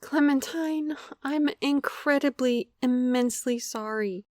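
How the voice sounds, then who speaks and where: A devoted, apologetic woman in an audio drama. Her voice is high and earnest, with careful, formal wording. The sound is close and dry. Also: a little slow, no echo. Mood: remorseful. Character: remorseful, devoted young woman pleading for forgiveness.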